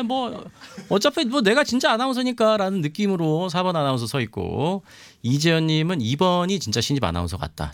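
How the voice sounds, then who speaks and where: A man hosting a live show, reading viewer comments and running a pronunciation game in a chatty, animated way. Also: sits high. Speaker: show host. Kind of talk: lively live-stream hosting.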